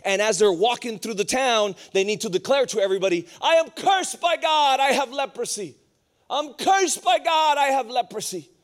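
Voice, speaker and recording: A man in his thirties from Puerto Rico, preaching a sermon with humor and rising intensity. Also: normal speed. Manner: lively, humorous preaching that climbs higher and more intense as it goes. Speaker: pastor.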